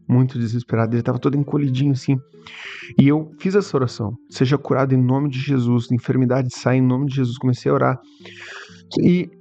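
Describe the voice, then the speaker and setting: A man with a Brazilian Portuguese accent giving an earnest personal testimony, preaching with halting restarts. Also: medium pitch, gravelly, warm tone. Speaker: Christian content creator. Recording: dull lo-fi audio with faint music.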